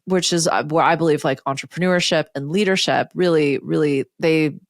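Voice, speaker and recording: A woman hosting a solo podcast, speaking in a candid, conversational way with the odd curse word and quick put-on voices for other people. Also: deep voice, dry recording, clean studio sound. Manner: candid, conversational, occasionally profane. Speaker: podcast host and coach. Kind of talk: casual solo podcast talk.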